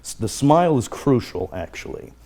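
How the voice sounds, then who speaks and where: A man's voice: medium pitch, very animated, moderate pace, warm tone. A man speaking as a guest therapist, explaining in an earnest conversational way and repeating his key phrases.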